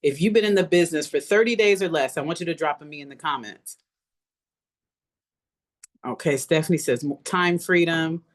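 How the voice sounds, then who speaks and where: A business coach runs a live motivational masterclass online, speaking emphatically and repeating phrases to encourage her listeners. Her voice is deep and her speed normal, with long pauses along the way.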